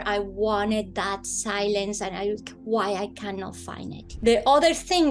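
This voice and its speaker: A woman with a Colombian accent, a native Spanish speaker, telling a personal story in an interview with expressive, dramatic emphasis. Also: on the high side. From Bogota, Colombia.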